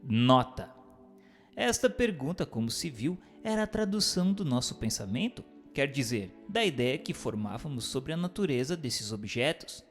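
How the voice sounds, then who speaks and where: A man's voice: medium pitch, sing-song, normal speed. A man gives a scripted, formal and didactic reading of a book of questions and answers. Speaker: narrator. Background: music.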